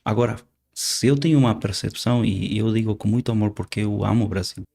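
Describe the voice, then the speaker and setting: A man from Argentina with an Argentine Spanish accent, a native Spanish speaker who talks earnestly and haltingly, repeating words as he preaches in an interview. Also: fairly low pitch, vocal fry, warm tone. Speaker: guest preacher.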